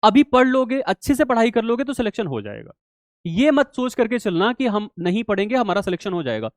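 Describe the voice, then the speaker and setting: Brisk and very animated, a young man with a high-pitched voice solves quiz questions in a casual live online exam-prep class. He often checks in with his students, addressing them as bhai and repeating "theek hai" and "clear". The recording has no room sound.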